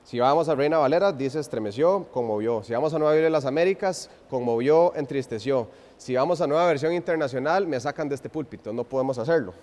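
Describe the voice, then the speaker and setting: A man preaching an expository sermon, swinging from loud emphasis to hushed, drawn-out phrases and asking the congregation rhetorical questions. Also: medium pitch. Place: church sanctuary. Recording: long reverb of a church hall.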